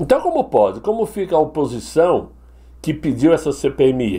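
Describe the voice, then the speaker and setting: Over a quiet background, a man with a fairly high pitch, a dark, mellow tone and vocal fry speaks at a moderate pace. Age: 70s. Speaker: political commentator. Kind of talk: political commentary monologue.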